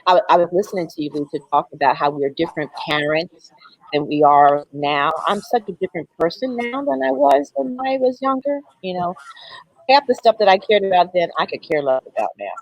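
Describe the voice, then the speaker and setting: A woman's voice: on the low side, lively intonation, brisk, dry recording, muffled recording. A middle-aged woman hosting a church panel conversation, chatty and laughing easily. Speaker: panel host.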